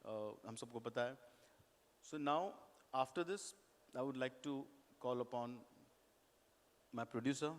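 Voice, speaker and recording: A man, a film director, giving a halting, sincere thank-you speech in Hindi and English. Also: mid-range voice, a little hiss or hum. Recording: reverberant hall.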